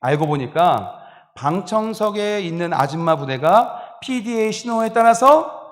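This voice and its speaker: A male pastor preaching a sermon, lively and animated, acting out exclamations and laughing along as he speaks. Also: high voice, measured pace. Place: church sanctuary. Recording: reverberant church hall.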